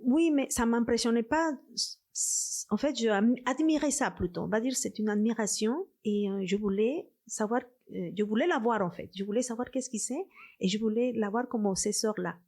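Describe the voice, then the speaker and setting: A woman speaking as a podcast guest, sharing personal testimony conversationally, halting and rephrasing now and then. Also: on the high side, a little mellow. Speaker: podcast guest, church member.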